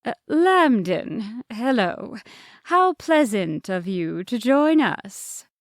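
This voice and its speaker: A woman's voice: on the high side, very animated, slow pace, no room sound, clean studio sound, voice pushed up, full character voice. A woman voicing a polite, evasive female moose conductor with rehearsed formal courtesy in a children's bedtime story.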